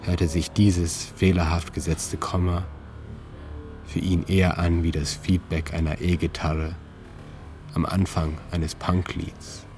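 Deep flat-voiced guy reading his story slow and measured, music playing underneath. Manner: calm, measured, with slow deliberate pauses. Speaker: narrator and author. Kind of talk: scripted literary narration. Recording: narration over music.

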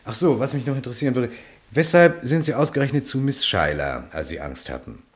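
An actor playing a commanding, inquisitive police inspector in a radio crime drama, halting between brisk orders and polite asides. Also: male voice, medium pitch, expressive, lightly acted. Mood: musing, courteous. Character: male police inspector, commanding, inquisitive, courteous but impatient.

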